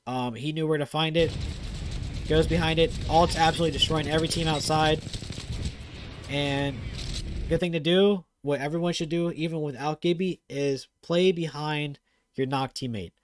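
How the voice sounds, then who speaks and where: A man hosting a gaming channel, giving casual commentary over viewer clips; he talks fast and gets excited, with lots of fillers. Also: on the high side, no echo.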